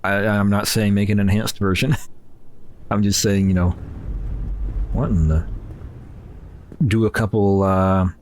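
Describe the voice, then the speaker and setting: A man's voice: fairly low pitch, little pitch movement, measured pace, pauses often, slight background noise. A man in his twenties giving rambling, self-mocking commentary while playing a horror game, reading its text aloud. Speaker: gaming channel host. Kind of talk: casual let's play commentary.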